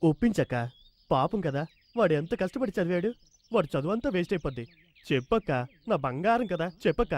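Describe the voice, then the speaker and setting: An actor playing a loud, meddling comic uncle in Telugu film dialogue, with a Telugu accent and a mocking, teasing way of talking. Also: male voice, sits high, lively intonation, a little fast, no room sound. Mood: scolding.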